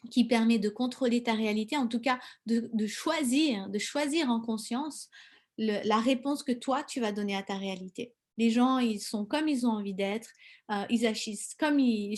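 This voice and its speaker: A woman giving a casual coaching lesson, chatty and lively, acting out little inner dialogues. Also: fairly high pitch. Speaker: self-confidence coach.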